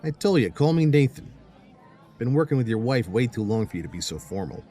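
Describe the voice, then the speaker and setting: A man playing a gruff, sardonic police sergeant in an audio drama, with a dry, blunt manner. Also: mid-range voice, sing-song, brisk, mellow, lightly acted. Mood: dryly sociable. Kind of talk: full-cast audio drama acting, conversational.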